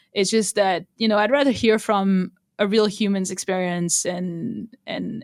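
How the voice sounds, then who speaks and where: On a very clean recording with a silent background, a woman with a non-native accent speaks at medium pitch with fairly even intonation and hardly any pauses. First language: not English. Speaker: music producer. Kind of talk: interview. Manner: halting, many fillers.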